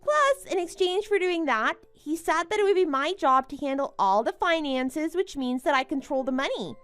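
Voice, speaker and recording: Woman acting a high-pitched, gloating young bride. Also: big pitch swings, moderate pace, fairly bright tone, soft background music. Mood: boastful. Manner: gloating, condescending, exclaiming. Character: smug, boastful young bride who taunts her friend. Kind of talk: melodramatic animated-story voice acting.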